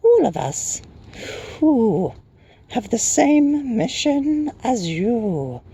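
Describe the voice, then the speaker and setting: High, breathy night goblin. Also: male voice, big pitch swings, extremely slow, dark tone, heavily acted. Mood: curious, delighted. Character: moon-eyed night goblin creature, eager and whispery.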